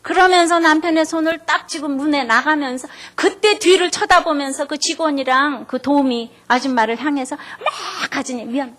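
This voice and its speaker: A high-pitched middle-aged woman preaches to her congregation. She tells a story with animated energy and jumps into the voices of the people in it. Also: normal speed, few pauses, a little hiss or hum. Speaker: pastor. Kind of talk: sermon.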